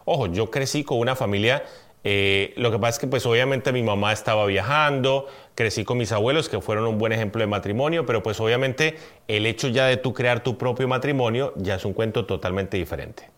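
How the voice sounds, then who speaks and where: A man's voice: mid-range voice, fairly quick, a bit bright. Man podcast co-host, conversational, earnest, casual couple chat. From Colombia. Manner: earnest, conversational, with filler hesitations.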